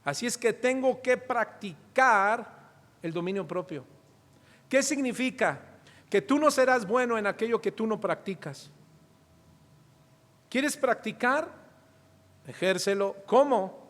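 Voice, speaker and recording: A man's voice: sits high, expressive, slow, pauses often, a bit bright. A middle-aged Mexican man preaching a sermon as pastor, asking the congregation questions and acting out little scenes from family life. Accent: Mexican Spanish. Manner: preaching with rhetorical questions and acted-out anecdotes. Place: church hall. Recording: reverberant church hall.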